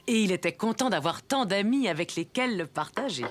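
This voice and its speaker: A woman playing a gentle storyteller, narrating a children's cartoon in a scripted storybook style. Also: mid-range voice, animated, brisk, natural voice. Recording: music behind.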